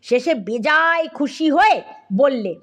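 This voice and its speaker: Woman storyteller, comic audiobook narration, high voice, unhurried, lively. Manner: lively, comic, addressing listener.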